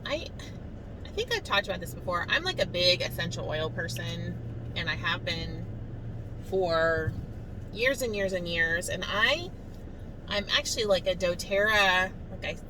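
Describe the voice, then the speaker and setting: A woman's voice: lowish voice, noisy background. A woman chatting casually to her viewers as a vlogger, in a talkative, self-amused way. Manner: chatty, self-amused, often chuckling while telling anecdotes. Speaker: vlogger sharing a daily diet challenge.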